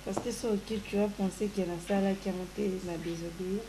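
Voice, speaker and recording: A woman's voice: mid-range voice, fairly even intonation, quick pace, noisy background, lightly acted. A young woman with a Congolese French accent, acting an affectionate partner in a TV drama, chatty and soothing. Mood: pleading. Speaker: wife in a drama series.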